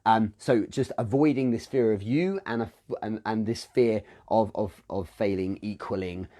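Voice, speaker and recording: British male host, lowish voice, unscripted, self-correcting live Q&A delivery. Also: normal speed, mellow. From United Kingdom. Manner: thinking aloud, frequent restarts and self-corrections. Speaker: host answering business questions.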